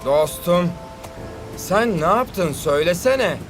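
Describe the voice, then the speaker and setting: A man's voice: high-pitched, expressive, slow pace. A man voicing a worried, sensible young footballer in a cartoon dub. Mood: skeptical. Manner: skeptical, fretful. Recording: studio dub with music behind.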